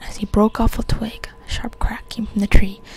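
A soft-spoken voice moves at a moderate pace over noticeable background noise. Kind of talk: read fairy tale.

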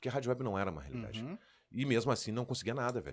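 A man talks at a very fast pace in an animated tone, with lively intonation. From Rio Grande do Sul, Brazil. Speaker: radio announcer. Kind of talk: casual chat. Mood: animated, retelling frustration. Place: studio. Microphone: studio mic.

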